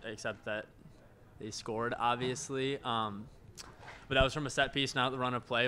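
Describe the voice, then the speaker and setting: Young man, bright voice, very flat intonation. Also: medium pitch, slight background noise. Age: early twenties. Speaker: college soccer player. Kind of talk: post-match press conference answer. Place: indoor press conference room, seated at table. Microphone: handheld microphone held close.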